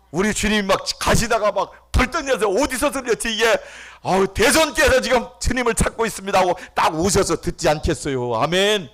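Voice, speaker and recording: A middle-aged male pastor preaching a sermon, dropping to hushed murmurs and then shouting calls at the congregation, acting out the voices he quotes. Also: a little high. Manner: acts out quoted voices and drills the congregation with questions.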